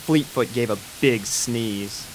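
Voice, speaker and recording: A man narrating a fan-written pony story in a steady storybook manner. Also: mid-range voice, slow, a little hiss or hum, poor audio. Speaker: fanfic reader.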